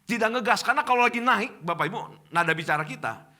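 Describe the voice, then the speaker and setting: Male pastor, Indonesian accent, middle-aged, sermon delivery, fairly high and very lively. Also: fast talker. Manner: addresses congregation as Bapak Ibu, animated preaching. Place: church.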